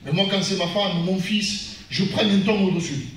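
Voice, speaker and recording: High, bright-voiced pastor preaching in an echoey church. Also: male voice, moderate pace, distant mic. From France. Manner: animated, rises loud and high when retelling events. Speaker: guest pastor. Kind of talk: sermon with personal testimony. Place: church hall.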